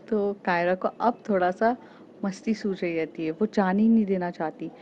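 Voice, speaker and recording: A woman's voice: mid-range voice, moderate pace, warm tone, dull audio, a little hiss or hum. A woman narrating a romance story casually, chatty and full of fillers.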